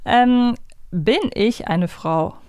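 A German woman chatting casually as a podcast host in a guessing game, asking questions and thinking aloud haltingly. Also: medium pitch, darkish tone, clear, resonant tone, no echo, studio quality.

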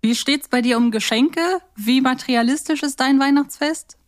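A woman's voice: high-pitched, fairly even intonation, moderate pace. A woman from Germany chatting informally as a podcast co-host, telling stories in a conversational way. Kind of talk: casual conversational podcast chat.

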